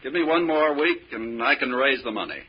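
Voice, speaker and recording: A man's voice: mid-range voice, lively intonation, fairly quick, slightly rough. An actor playing a scheming young man-about-town in gambling debt, suave, clipped and brazen, in 1940s radio drama style. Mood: desperate, defiant. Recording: muffled, noisy vintage radio recording.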